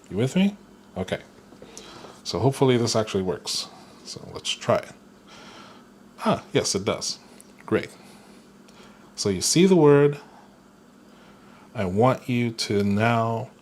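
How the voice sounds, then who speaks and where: A man giving a guided spiritual lesson, talking slowly and deliberately and chuckling now and then. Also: mid-range voice, lively intonation, a little mellow, slight background noise. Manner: slow, deliberate, with playful chuckles. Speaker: spiritual teacher.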